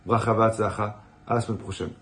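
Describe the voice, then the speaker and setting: A man's voice: fairly low pitch, steady tone, a little fast. A man, a rabbi, giving a weekly Torah talk that moves from storytelling into earnest exhortation.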